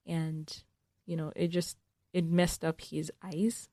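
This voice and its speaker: A young woman from Uganda, a student guest answering radio interview questions in an earnest, thoughtful way with frequent pauses. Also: deep voice, level tone, mellow, a little hiss or hum. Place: radio studio.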